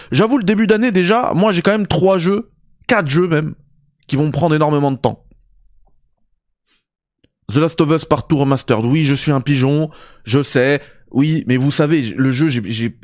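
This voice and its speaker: Young guy doing an ironic gaming rant, bit high voice, dry close mic, faint music. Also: darkish tone, no echo. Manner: mock-outraged, ironic, familiar. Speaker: gaming video host.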